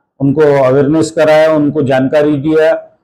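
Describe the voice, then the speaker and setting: A man's voice, fairly high in pitch, with a dark, mellow tone. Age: 60s. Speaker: local politician and social worker. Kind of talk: news interview. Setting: press interview with several channels.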